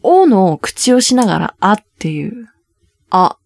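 A woman's voice: mid-range voice, sing-song, moderate pace, vocal fry, darkish tone, no room sound. A woman hosting a casual Korean lesson, explaining patiently and lifting her voice on key words. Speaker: Korean language teacher host. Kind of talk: casual language lesson chat.

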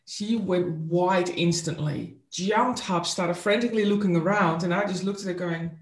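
Earnest woman in an echoey room. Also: on the low side. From Netherlands. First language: Dutch. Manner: earnest, unhurried storyteller. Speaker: guest, spiritual coach. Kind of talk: storytelling in an interview.

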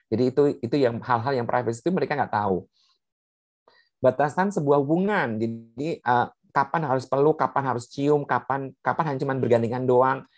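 A woman's voice: rumbling low, darkish tone, no echo. A woman gives a seminar talk, explaining points one by one many fillers. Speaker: speaker on puberty in children with special needs.

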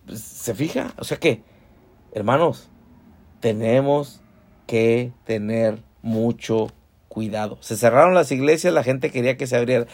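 A man's voice: mid-range voice, normal speed, a little mellow. A male pastor preaching a sermon conversationally, often calling the congregation brothers and asking them questions.

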